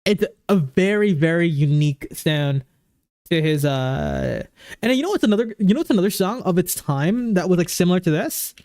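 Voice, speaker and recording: A woman's voice: on the low side, expressive, normal speed, warm tone, dry recording, studio quality. A woman live streaming while gaming, chatting casually with viewers into a desk microphone and reading their messages aloud. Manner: chatty, reads chat aloud, keeps breaking into song. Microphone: desk microphone on an arm.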